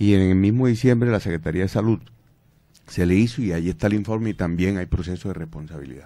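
A man with a very deep, low pitch and a dark, mellow tone talks at a very fast pace with ordinary pitch variation, in a dry sound with no echo against a quiet background. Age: 50s. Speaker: public auditor official; radio interviewee. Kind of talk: radio interview. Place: studio. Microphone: studio mic.

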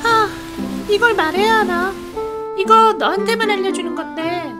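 An extremely high-pitched, put-on character voice. Loud music plays in the background. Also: moderate pace. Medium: dub. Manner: crude, cursing.

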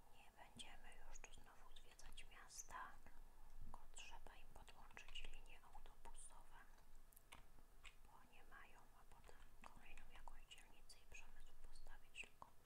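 A woman whispers at a very slow pace, soft-spoken. Loud background noise surrounds her. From Poland. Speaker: ASMR creator and gamer. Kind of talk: relaxed gameplay commentary, thinking aloud. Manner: whispered, soft-spoken.

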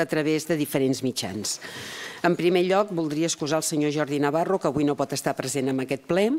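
The woman's pitch is very deep and low. She talks at a fairly quick pace with fairly even intonation. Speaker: council meeting chair. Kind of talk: formal statement reading. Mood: formal, serious. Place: hall. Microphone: podium.

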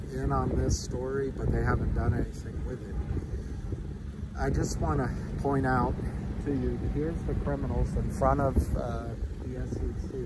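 A man speaks with long, frequent pauses. Loud background noise fills the recording. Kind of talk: casual vlog chat. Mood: earnest, accusatory. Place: street. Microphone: phone near.

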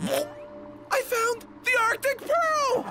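Over light background noise, a woman shouts loudly in a squeaky, cartoonish character voice pitched extremely high. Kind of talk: cartoon dialogue. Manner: loud, excited shout.

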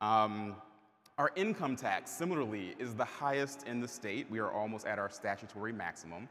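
In a normal speaking voice, a man talks at a moderate pace with medium pitch and ordinary pitch variation. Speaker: real estate developer and nonprofit director; panelist. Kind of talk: panel presentation. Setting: stage with audience. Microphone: lapel.

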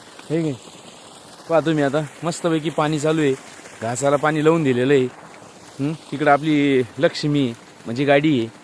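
Noticeable background noise sits behind a man's voice. His pitch is fairly high and his intonation fairly even. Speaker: farmer and vlogger. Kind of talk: casual vlog chat. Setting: outdoors in a farm field.

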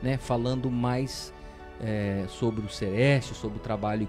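Clear music plays in the background beneath a voice with ordinary pitch variation. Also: man. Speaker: radio host. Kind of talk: radio show hosting, announcements. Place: studio. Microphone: studio mic.

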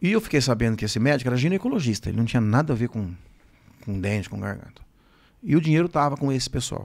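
A man of medium pitch talks at a very fast pace with lively intonation. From Brazil, interior of São Paulo state (Ribeirão Preto), moved to São Paulo at 14; São Paulo state, Brazil. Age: 60s. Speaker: sertanejo singer; podcast guest. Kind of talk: casual interview chat. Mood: reflective, sometimes smiling. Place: studio. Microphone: studio mic.

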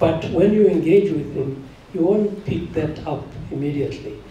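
There is light background noise and audible room echo. A man talks at a moderate pace. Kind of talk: public speech testimonial. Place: hall.

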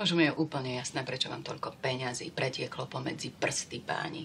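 A woman speaks at a moderate pace. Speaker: actress playing a hospital director. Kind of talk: scripted drama dialogue, scolding. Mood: angry, reproachful. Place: office.

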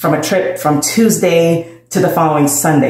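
A woman talks in a very deep, low voice. Room echo is audible around her. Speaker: travel vlogger. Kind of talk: casual vlog chat. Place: home room.

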